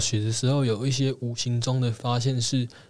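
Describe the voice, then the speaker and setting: At a moderate pace, the speaker sounds somewhat breathy. Nothing can be heard behind the voice on this very clean recording. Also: man. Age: 20s. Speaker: university student, former juvenile offender. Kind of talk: personal testimony in interview.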